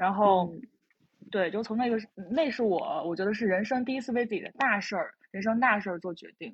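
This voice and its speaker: Her voice is fairly high and somewhat breathy, with lively intonation. This woman keeps a fairly quick pace. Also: big swings in loudness. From Shandong, China (county town). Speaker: media entrepreneur and variety show producer. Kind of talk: casual chat.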